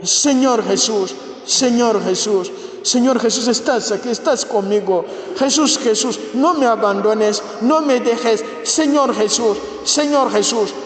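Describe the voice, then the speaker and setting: A man's voice: extremely high pitch, slow pace. A priest, a man who is not a native speaker, preaching a homily at a healing mass with fervent, repeated invocations that rise into exclamations. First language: not Spanish. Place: church. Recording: echoey church with long reverb.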